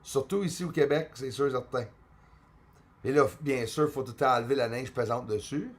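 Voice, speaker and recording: A man's voice: medium pitch, brisk. A middle-aged man from Quebec with a Québécois French accent, chatting casually on a live stream, reading viewer comments and laughing often.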